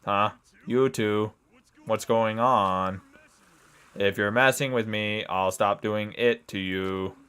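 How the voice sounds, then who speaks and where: A brash, hulking robot who booms his words out slowly and bellows big laughs, as a man puts on the voice while playing a game. The voice sits low and a touch deep, with a proud, boastful swagger. Every line lands loud and deliberate, like a machine in charge. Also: steady tone, clear, resonant tone. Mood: bellowing. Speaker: let's play commentator.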